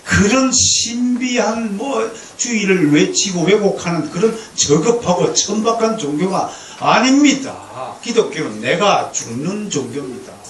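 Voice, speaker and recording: Man, pastor, lively sermon, higher voice, roomy hall, faint background noise. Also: unhurried, few pauses. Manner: lively preaching with humor and call-and-response. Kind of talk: sermon lecture to a congregation. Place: church sanctuary. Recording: echoey hall, distant mic, faint noise.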